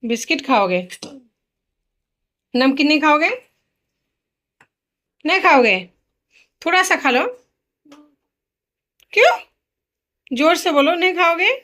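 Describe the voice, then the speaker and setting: A woman with a high voice talks casually through a home vlog, peppering her lines with little tag questions. She turns gentle and coaxing when speaking to a child. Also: expressive, slow pace, long pauses. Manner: chatty, frequent tag questions. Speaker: vlogger and mother. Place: home kitchen and rooms.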